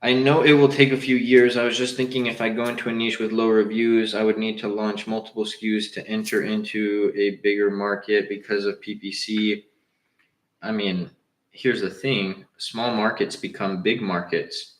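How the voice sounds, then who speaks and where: A man's voice: fairly low pitch, level tone, normal speed, echoey room, low-quality recording. A young man from Southern California with a Southern Californian accent, hosting a casual livestream and talking loosely and straight to his viewers. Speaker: livestream host.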